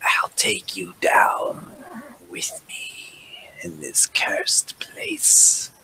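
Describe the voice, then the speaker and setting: In a put-on character voice, a man whispers at a very slow pace. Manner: menacing.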